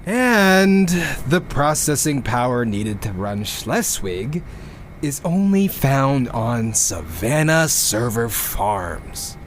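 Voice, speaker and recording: A man's voice: mid-range voice, big pitch swings, slow, slight background noise. A man playing a geeky, exasperated rocket programmer who rambles and swears through a casual audio log in a sci-fi drama. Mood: grumbling. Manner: rambling, self-interrupting, swearing.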